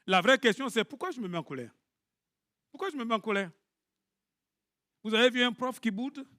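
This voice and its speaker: A middle-aged pastor, preaching a lively sermon to his congregation. He swings between loud bursts and hushed asides and jokes with the listeners. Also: very high-pitched, fairly quick, no room sound, studio quality.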